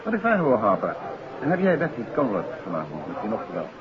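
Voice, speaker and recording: An actor playing a courteous, probing gentleman detective in a 1950s Dutch radio play, genial and a little hesitant. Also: on the low side, huge pitch swings, fairly quick, noisy background. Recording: muffled old radio recording, music behind.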